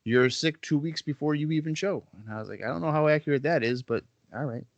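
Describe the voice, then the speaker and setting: A man's voice: on the high side, quick pace, no echo, dull audio. A man hosting a podcast, talking in an easygoing, joking way with a stuffy head cold, on his own microphone over an internet call. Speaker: podcast host. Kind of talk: casual chat.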